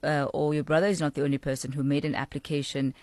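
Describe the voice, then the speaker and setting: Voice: medium pitch, flat delivery, fast, a little mellow, no room sound. A radio host talking live, conversational, asking follow-up questions and speaking to listeners. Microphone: studio microphone.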